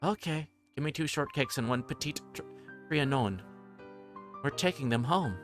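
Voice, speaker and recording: A man's voice: medium pitch, expressive, moderate pace, fairly bright tone, faint music behind, voice pushed up, lightly acted. A man voicing a pushy, gushing woman customer who talks in a chatty, familiar way, in a visual novel.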